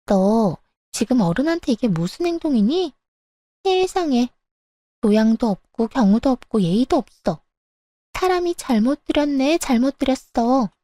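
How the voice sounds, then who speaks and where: A woman's voice: high-pitched, big pitch swings, moderate pace, dark tone, no room sound. A woman voicing a brazen, bossy middle-aged mistress in a radio story, talking down and scolding. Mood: haughty scolding. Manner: haughty, scolding, talks down.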